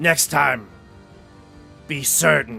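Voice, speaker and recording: A man performs in a put-on character voice. Faint music plays in the background. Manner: menacing.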